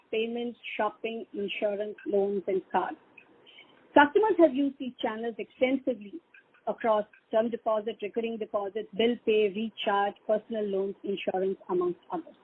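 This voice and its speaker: A woman's voice: fairly high pitch, husky. A woman with an Indian accent reading a scripted corporate results presentation as a bank executive on a conference call. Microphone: conference call line. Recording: dull, lo-fi conference call line.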